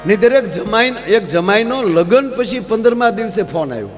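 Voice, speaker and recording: High-voiced folk comedian on stage. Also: male voice, animated, normal speed, faint music behind. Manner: folksy, keeps addressing the audience as sir. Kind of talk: live stage humorous storytelling. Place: large live stage program. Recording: reverberant live hall, faint mains hum.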